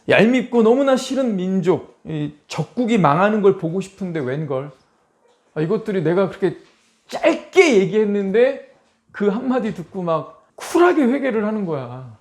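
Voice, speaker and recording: Animated Korean-speaking male preacher. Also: high-pitched. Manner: animated storytelling, acting out quoted voices. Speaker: pastor. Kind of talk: sermon.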